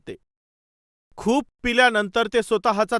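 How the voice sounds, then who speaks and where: On a very clean recording with a silent background, a man speaks at a high pitch in a dry, close sound with no echo. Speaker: preacher. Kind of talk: sermon, preaching to congregation.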